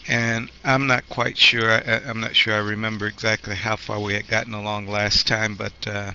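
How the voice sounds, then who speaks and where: A man who is a pastor, coming down with a cold, teaching a Bible study in a slow, halting way, clearing his throat often. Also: on the low side, flat delivery, pushed and bright. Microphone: handheld microphone. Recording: muffled lo-fi recording with faint noise.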